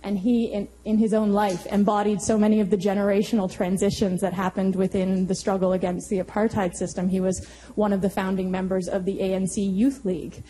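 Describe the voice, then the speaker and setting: A woman history professor giving thoughtful panel remarks to a university audience, pausing often to find her words. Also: mid-range voice, little pitch movement, mellow, poor audio.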